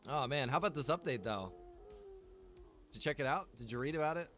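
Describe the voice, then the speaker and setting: With music in the background, a male streamer casually jokes around with his audience while gaming, using slang and addressing them as bro and dude. He speaks briskly in a mid-range, fairly bright voice full of animation.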